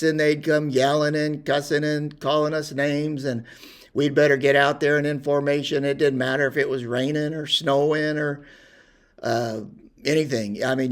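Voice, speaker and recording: An older man telling a personal story in a rambling, unhurried way with many pauses and fillers. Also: a little high. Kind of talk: casual spoken reminiscence.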